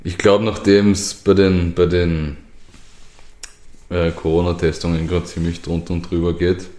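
Brief: young male podcast co-host, low voice, wry humor, roomy echo. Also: little pitch movement, a little mellow. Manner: dry, teasing, quick to laugh. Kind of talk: casual chat.

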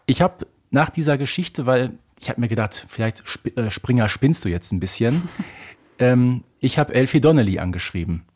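Man in his thirties, husky rough-edged voice, medium pitch, podcast co-host, conversational storytelling. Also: lively intonation, normal speed, darkish tone. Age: 30s.

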